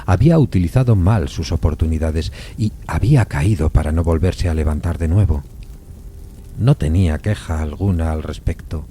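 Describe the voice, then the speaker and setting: A man narrating a gothic suspense story from a script in a measured, solemn storytelling manner. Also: extremely low pitch, mellow, slight background noise.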